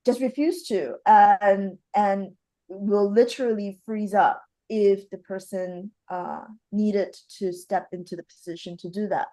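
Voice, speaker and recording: A woman's voice: mid-range voice, fairly even intonation, unhurried, warm tone. A woman co-hosting a casual spiritual podcast, talking animatedly and laughing often. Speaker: podcast co-host, healer. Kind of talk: casual conversation.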